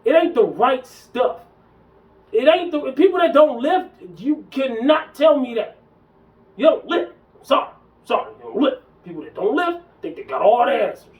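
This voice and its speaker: A man in his early forties rants in a fairly high voice, slangy and preachy, often circling back to hammer the same point. He sounds set back from the mic, a little distant in the recording. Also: big pitch swings, moderate pace, narrow, tinny audio. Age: 40s. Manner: emphatic, preachy, slangy, repeats himself. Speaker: fitness vlogger. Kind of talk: casual ranting monologue.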